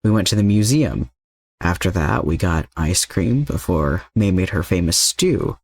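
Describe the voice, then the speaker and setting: A man voicing a calm, manipulative older mercenary villain in an audio story, composed and coaxing. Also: low voice, a little slow, no room sound, full character voice.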